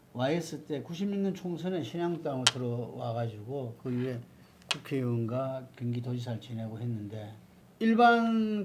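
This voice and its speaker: In an ordinary speaking voice, the delivery is fairly slow with lively intonation. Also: man. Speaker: interviewer, news outlet head. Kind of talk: interview question.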